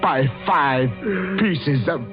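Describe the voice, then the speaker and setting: A vengeful cousin in vintage radio drama, speaking slowly and deliberately over music. His politeness is a thin cover for cold calculation, and the old recording is dull. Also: fairly high pitch. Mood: cold vengeance. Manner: halting, deliberate, falsely polite. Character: coldly calculating avenging cousin, mockingly solicitous, quietly menacing. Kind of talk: 1940s radio drama acting.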